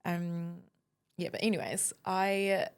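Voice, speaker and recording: Giggly nz woman, thirties, lowish voice, podcast guest chatting. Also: level tone, slow pace, crowd noise. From New Zealand. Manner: bubbly, laughs often. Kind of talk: casual interview chat.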